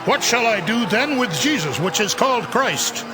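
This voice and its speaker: A man's voice: extremely high pitch, lively intonation, moderate pace, music in the background. A man playing Pontius Pilate, a commanding Roman governor, in a dramatized scripture reading. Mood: challenging.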